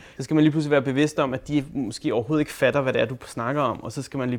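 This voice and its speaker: A man's voice, recorded very cleanly against total silence. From Denmark (born in Chile, moved at four). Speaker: cinematographer. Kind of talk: talk to an audience. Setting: cinema with live audience. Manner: halting, many fillers.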